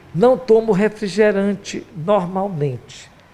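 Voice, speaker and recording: Very slow speech over noticeable background noise. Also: man. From Brazil, southern Maranhão. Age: 60s. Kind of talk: interview. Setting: bishop's residence.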